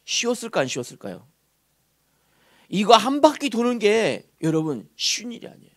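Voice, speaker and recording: A male pastor delivers a sermon in a church sanctuary. His voice sits high and moves all over the place with lively, sweeping inflection. He keeps turning questions to the congregation as he preaches. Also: moderate pace. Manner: animated, asking the congregation questions.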